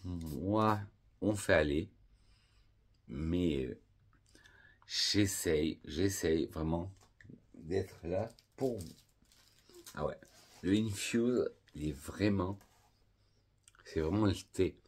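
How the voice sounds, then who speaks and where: A deep-voiced man from France talks through perfumes in a relaxed video review. His voice is low and a little husky, and he takes his time, naming notes one after another in an unhurried way. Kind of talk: casual perfume review vlog.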